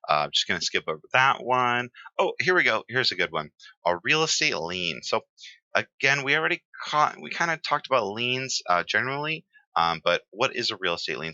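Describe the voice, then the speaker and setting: A very low-pitched man explains exam vocabulary in a loose, friendly lecture and fills his pauses with lots of "uh" and "um." His voice has a very bright, forceful edge. The recording is dry and a little dull. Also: no echo. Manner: relaxed, chatty, many fillers. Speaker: exam prep teacher.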